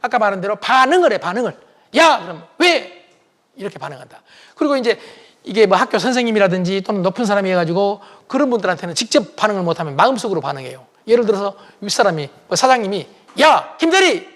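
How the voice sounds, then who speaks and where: A middle-aged man giving a lively public lecture, acting out bits of dialogue and putting questions to the audience. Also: sits high, racing. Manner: acts out dialogue, quizzes the audience.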